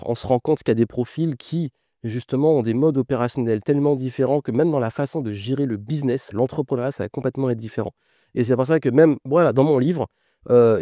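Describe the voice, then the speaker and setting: A man's voice: medium pitch, mellow, no echo, studio quality. A man, an author, casually explaining the ideas in his book to camera, enthusiastic and full of asides.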